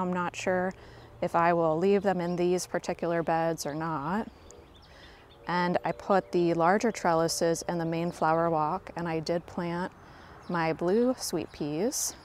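Garden vlogger, woman, lowish voice, casual friendly walk-and-talk outdoors, faint birdsong behind. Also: fairly even intonation, measured pace, darkish tone, slight background noise. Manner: chatty and self-deprecating, talks to viewers as friends. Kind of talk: casual garden tour narration. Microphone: handheld phone camera, speaker off screen.

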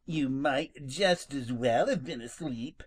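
A storybook narrator voicing a sly, good-natured male skunk who teases in a slow drawl. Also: medium pitch, slightly rough. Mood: teasing.

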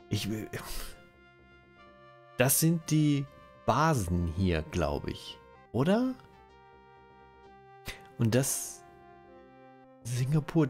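A man's voice: medium pitch, a little mellow. A German-speaking man with a cold, giving rambling, self-correcting commentary while playing a strategy game. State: has a cold, coughing. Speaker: let's-play host.

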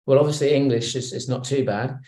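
A middle-aged man from Hong Kong, a guest on a video call interview, speaking in a relaxed, reflective way with many fillers and restarts. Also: mid-range voice, fairly quick. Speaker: guest executive. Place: home room. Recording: roomy video call audio.

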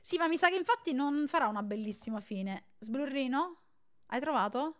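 A young woman streamer giving casual live commentary on a horror game, excitable, joking and yelling threats at the characters on screen. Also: sits high, moderate pace. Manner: excitable, yells and jokes at the game.

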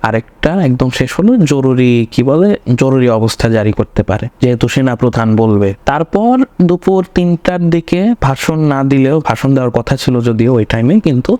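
Slightly hoarse young man musing aloud. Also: mid-range voice, fairly quick, few pauses, mellow, no echo. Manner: rambling, self-correcting, searching for words. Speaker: vlogger. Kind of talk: casual personal vlog commentary. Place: home room.

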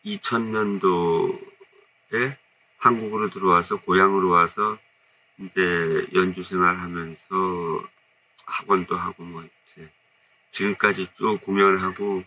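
In a casual interview storytelling session, a saxophonist in his fifties from Jecheon, North Chungcheong, Korea, rambles in a relaxed, modest way, his Jecheon dialect strong. His voice sits low at a measured pace. The low-quality recording carries a little hiss or hum, made with an off-camera mic in a seated two-shot before a studio curtain.

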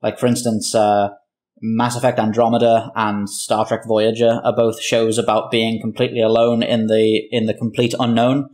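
Flat-toned, low-voiced analytical man. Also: normal speed. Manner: analytical, explanatory. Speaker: show creator on a discussion panel. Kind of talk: opinionated roundtable discussion.

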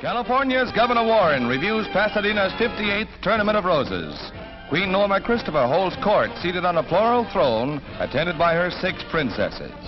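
A man narrating a flower parade in bright, showy old newsreel style. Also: high-pitched, big pitch swings, moderate pace. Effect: old newsreel soundtrack. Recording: dull old newsreel sound with music.

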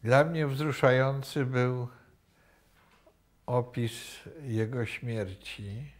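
An older man being interviewed, recalling the past slowly with many pauses and restarts, recorded on a lapel mic in a room. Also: medium pitch, steady tone. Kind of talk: reflective recollection. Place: indoor room with wooden cabinets.

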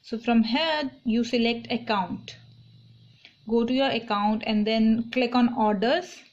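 A woman's voice: a little high, fairly even intonation, takes it slowly, darkish tone. A young woman with an Indian accent talking casually to viewers and explaining things in a vlog. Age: young adult. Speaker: online shopping vlogger. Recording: dull lo-fi phone audio, clear background noise.

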